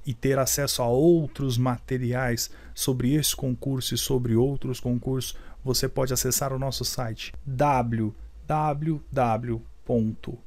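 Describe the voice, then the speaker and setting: A man's voice: medium pitch, fairly even intonation, takes it slowly, few pauses, a little mellow. A man with a Brazilian Portuguese accent teaching a video lesson, explaining rules step by step and asking the viewer questions.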